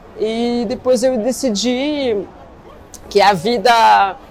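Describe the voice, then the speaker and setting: A woman speaks with fairly even intonation. Noticeable background noise runs under her voice. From Lebanon, Beirut. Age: 30s. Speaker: immigrant interviewee, psychology student. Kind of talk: interview testimony. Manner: halting, many fillers.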